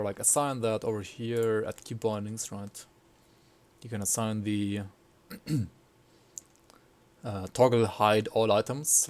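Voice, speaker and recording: A man streams a game with an easygoing, rambling commentary and a voice a little on the low side. He keeps checking in with his viewers, and a faint hiss sits under his voice. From partly raised in Sweden. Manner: relaxed and rambling, ends points with a tag question; chats with viewers while playing. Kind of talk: casual gameplay commentary.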